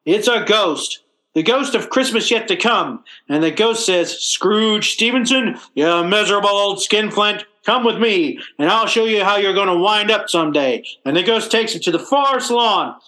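Radio comedy role: male actor as blustery working-class everyman, high-pitched and forceful, colloquial, excitable, good-hearted. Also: low-quality recording. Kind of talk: old-time radio comedy acting.

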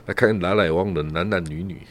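Speaking quickly in a low voice with vocal fry and lively intonation, a man from Taiwan chats as a radio guest. His travel tales, told in a storytelling manner, are dotted with rhetorical "right?" and "ha" in this casual commentary.

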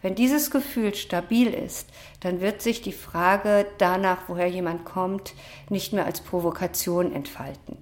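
A woman author answering interview questions in a measured, academic way, with frequent hesitation sounds. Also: on the low side. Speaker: author and social scientist, interview guest.

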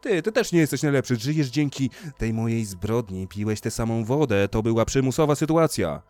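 A man's voice: mid-range voice, expressive, fairly quick, dry recording, natural voice. A man voicing a frightened male spaceship crewman who pleads and panics, in an audiobook reading. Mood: pleading. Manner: pleading, rising to panicked shouts.

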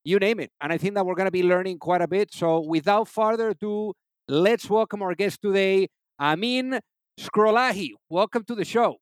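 A man's voice: high voice, normal speed, no echo. A man hosting a podcast interview, wordy and conversational, often padding with "you know".

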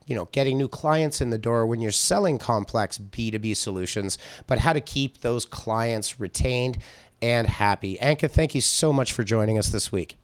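Slightly hoarse male podcast host. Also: medium pitch, normal speed, no echo. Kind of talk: casual interview chat.

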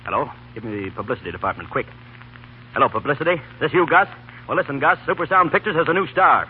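A man playing a brisk, businesslike middle-aged executive in a 1930s radio comedy. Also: mid-range voice, animated, lightly acted. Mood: brisk, excited. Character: brisk, busy publicity-minded father, a movie executive. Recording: tinny, faintly noisy 1930s radio recording.

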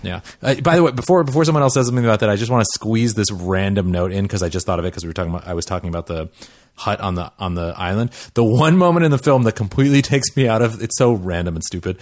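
Deep-voiced man, eager film chat. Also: very fast, a little mellow, no echo, clean studio sound. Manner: enthusiastic, rambling with many restarts. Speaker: podcast panelist. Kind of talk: casual film discussion.

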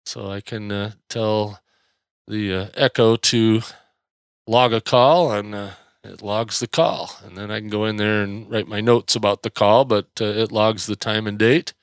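A man's voice: on the low side, fairly even intonation, a little slow, smooth, no room sound, studio quality. Congested American man, rambling casual podcaster. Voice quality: slightly nasal. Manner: rambling, hesitant, folksy. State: mildly congested. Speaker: podcast host. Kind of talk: casual solo podcast chat.

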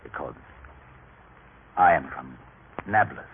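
An actor playing a kind, humble Samaritan traveler in an earnest, measured old radio drama style. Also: male voice, very deep voice, lively intonation, creaky, heavily acted. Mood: grave, reserved. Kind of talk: old-time religious radio drama acting. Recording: tinny, noisy vintage radio recording.

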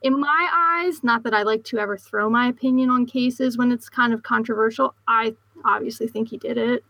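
A woman's voice: fairly high pitch, normal speed, vocal fry, pushed and bright, dry recording, low-quality recording. Chatty woman with a Philly accent. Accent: Philadelphia. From Philadelphia. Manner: chatty, rambling with many fillers. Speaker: podcast host. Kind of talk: casual podcast chat.

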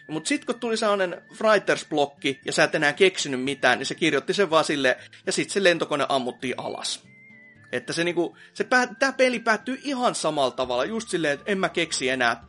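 A man's voice: medium pitch, pushed and bright. A man co-hosting a podcast, ranting and sarcastic, swearing and laughing in casual chat. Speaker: podcast co-host.

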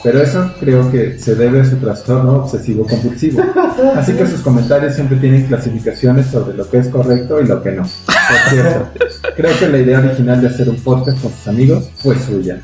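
Man, Mexican Spanish accent, mellow dark voice, joking podcast host, very echoey room. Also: medium pitch, animated, normal speed, faint music behind. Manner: joking, teasing banter. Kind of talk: casual chat, reading an article aloud.

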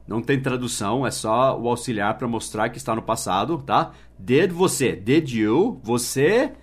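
With an animated, slightly rough medium-pitched voice, this podcast host teaches English in a relaxed lesson. He spells words one letter at a time and explains with patience. To model phrases he slows his speech, often adding tag questions.

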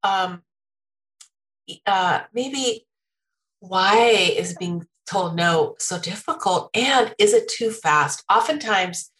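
A woman giving parenting advice in a relaxed conversation, laughing often and slipping into a sing-song tone when acting out what parents can say. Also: mid-range voice, slow pace, rough recording. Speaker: parenting expert guest.

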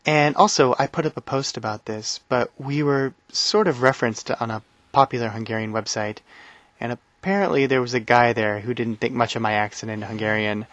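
A man hosts a language-learning podcast in a relaxed, friendly manner. His voice sits at a middle pitch. The recording is dull and dry, with no room sound. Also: brisk, no echo. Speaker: podcast host. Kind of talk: casual podcast talk.

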